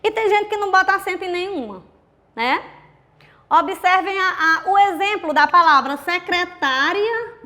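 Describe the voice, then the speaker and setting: A woman with a Brazilian accent teaches a grammar lesson in a high, clear voice. She explains step by step, drawing words out and counting syllables aloud. She keeps asking the class rhetorical questions. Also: animated, normal speed, pushed and bright. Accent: Brazilian Portuguese. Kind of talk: recorded grammar video lesson.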